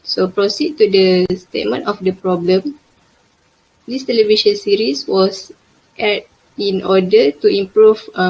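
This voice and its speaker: A woman's voice: mid-range voice, slightly rough, low-quality recording. A young woman with a Malaysian accent, reading out an academic presentation carefully, with frequent hesitations. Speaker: student presenter.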